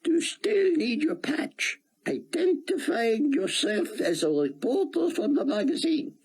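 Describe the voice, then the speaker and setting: A man voicing a warm, gentle rabbi with a thick Hebrew accent, speaking slowly and courteously. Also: extremely high pitch, very animated, voice pushed up, heavily acted.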